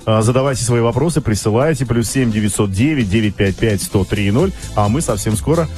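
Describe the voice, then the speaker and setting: A man's voice: medium pitch, a little fast, darkish tone, soft background music. A man hosting a radio talk show in the studio, chatty and teasing with his guests. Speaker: radio host.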